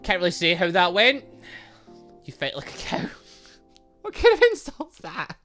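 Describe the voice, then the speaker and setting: A man's voice: sits high, wildly swooping pitch, measured pace, sharp tone, soft background music. A man giving casual let's play commentary on a visual novel, chatting and thinking aloud as he plays and reading bits of game text. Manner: chatty, thinking aloud, muttering asides to himself. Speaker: gaming channel host playing a visual novel.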